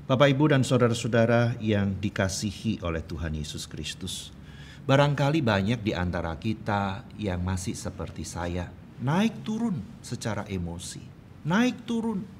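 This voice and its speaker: A man's voice: lowish voice, big pitch swings, moderate pace, a little hiss or hum. A middle-aged man preaching a sermon as pastor, telling personal stories and building to fervent emphasis. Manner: storytelling, swelling to fervent emphasis.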